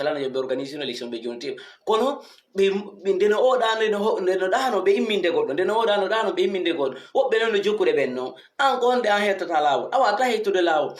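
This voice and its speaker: High-pitched man in an echoey room. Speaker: online commentator addressing followers. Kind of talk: informal commentary monologue to followers.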